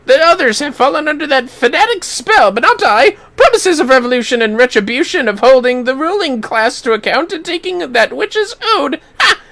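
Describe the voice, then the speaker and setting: A man's voice: very high voice, big pitch swings, moderate pace, hardly any pauses, bright, forceful tone, pitched above the performer's own voice, exaggerated voice. A performer voicing a frightened, indignant male villager in a fantasy game, speaking in a formal, archaic, declamatory way. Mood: earnest, indignant.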